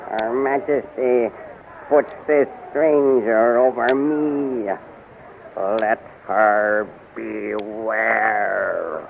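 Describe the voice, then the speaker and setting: An actor playing an obsequious, secretly resentful court magician in formal 1930s radio style. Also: male voice, on the low side, creaky, full character voice. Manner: formal, servile, deliberate. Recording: tinny, crackly 1930s radio recording.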